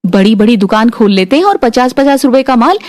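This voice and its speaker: A woman's voice: a little high, expressive, a little fast, darkish tone, voice pushed down, close to an everyday voice. A woman voicing a naive, earnest young daughter-in-law from a poor home in a cartoon story. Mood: indignant. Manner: naive, earnest, speaks of herself as "we". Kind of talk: cartoon voice acting.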